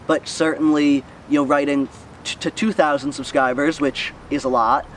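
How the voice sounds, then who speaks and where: A teenage high school student from Missouri, who writes for a student newsletter, answers interview questions casually and earnestly in an American accent. His voice sits a little high with fairly even intonation at normal speed, and he thinks aloud, repeating words. The mic is distant, with a little hiss or hum.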